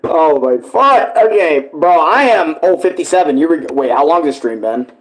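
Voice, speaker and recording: A man streaming a live reaction, talking casually and with plenty of slang. He swears freely and keeps an animated, informal manner as he comments. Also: a little high, normal speed, low-quality recording.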